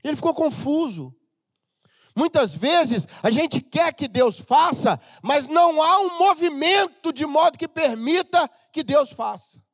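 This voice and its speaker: A middle-aged Brazilian man preaching a humorous, animated sermon as pastor of a church, sometimes breaking into shouts. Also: very high-pitched, measured pace, no room sound, clean studio sound. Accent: Brazilian Portuguese.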